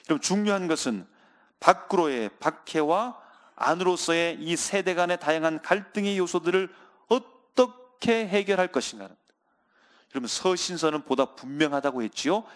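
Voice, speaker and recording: A male pastor preaches a sermon earnestly, often calling out to the congregation and slowing down for emphasis. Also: a little high, animated.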